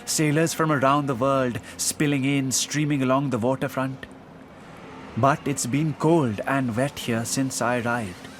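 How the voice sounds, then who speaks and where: Actor as earnest homesick sailor over ambient noise. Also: male voice, medium pitch, steady tone, measured pace, close to an everyday voice. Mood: wistful, wondering. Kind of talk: audio drama acting, letter read aloud.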